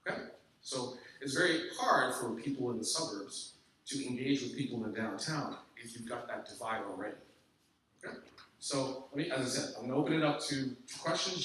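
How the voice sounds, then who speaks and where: A man with a bright, forceful voice talks to a crowd, emphatic and direct. He sounds distant, in a very echoey room picked up from across the space, with a faint hum behind. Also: medium pitch. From Canada. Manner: emphatic, peppered with "okay?" and "I can tell you". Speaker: guest speaker. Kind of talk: talk with audience questions. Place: large echoey meeting room.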